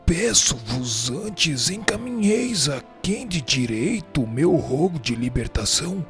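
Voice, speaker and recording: Radio drama role: tormented male spirit, pious, self-justifying; gravelly, slow, highly animated pleading over music. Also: heavily acted. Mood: pleading, indignant. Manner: formal, florid, anguished pleading. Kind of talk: melodramatic radio drama acting.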